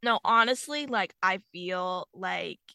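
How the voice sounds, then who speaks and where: A woman's voice: on the low side, takes it slowly, creaky, bright, forceful tone, no room sound, clean studio sound. A young woman co-hosting a podcast over a video call, chatting casually and laughing often. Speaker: podcast co-host. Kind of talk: casual chat.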